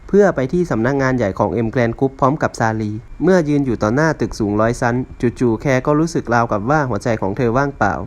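A man in his twenties from Laos narrating a novel in a brisk, steady reading voice. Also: medium pitch. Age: 20s. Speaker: novel reader.

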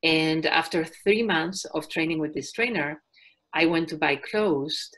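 A woman in her forties from Spain with a Spanish accent, presenting a fitness webinar as a trainer and health coach in a calm, soft-spoken way. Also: deep voice, a little slow.

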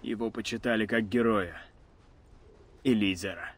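A man's voice: on the low side, unhurried, husky. An actor playing an earnest young man torn by revenge in a game dub, speaking with emotion. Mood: troubled. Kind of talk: Russian game dub acting.

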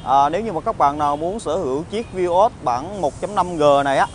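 Traffic hums behind this phone recording of a used car salesman, a man with a southern Vietnamese accent, showing off a vehicle on an outdoor lot and partly from inside the car. His walkaround pitch is informal and frequently broken up by hesitations and tag words.

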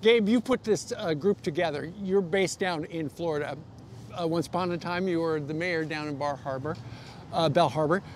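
High-pitched American male news host, outdoors. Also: moderate pace. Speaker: TV news host interviewing guests. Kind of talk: live broadcast interview. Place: outdoor rooftop terrace in a city. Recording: outdoor live broadcast, clear background noise.

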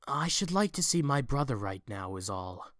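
A man playing a proud, troubled businessman in a fan audio drama, speaking earnestly and haltingly. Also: medium pitch, sing-song, fairly bright tone, no echo, studio quality. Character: troubled proud businessman, anxious for his brother.

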